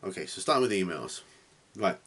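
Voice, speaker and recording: A man's voice: low voice, expressive, fast, fairly bright tone, husky. A man hosting a casual question and answer vlog, chatty and a little rambling and self-deprecating. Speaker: hobby channel host.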